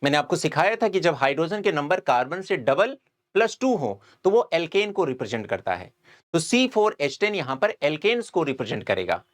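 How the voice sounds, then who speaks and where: A man's voice: a little high, big pitch swings, fairly quick. A man giving a step-by-step chemistry lecture and often checking that his students follow. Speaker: chemistry teacher. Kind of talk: whiteboard lecture.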